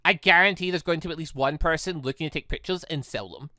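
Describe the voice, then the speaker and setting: A man's voice: on the high side, fast talker, pushed and bright, no echo, clean studio sound. A man voicing a haughty, self-assured young heiress from a visual novel game, grand and teasing in manner. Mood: teasing, proud.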